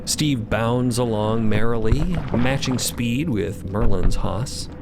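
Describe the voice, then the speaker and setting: A man giving dramatic scripted narration for a story podcast, theatrical and sometimes hushed. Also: medium pitch, slow pace, background noise.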